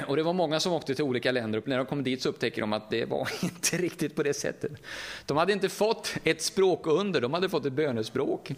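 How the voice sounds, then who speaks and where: A middle-aged preacher from Västergötland in Sweden speaks in his local accent, keeping the sermon lively and conversational with frequent questions to the congregation. His pitch is on the high side.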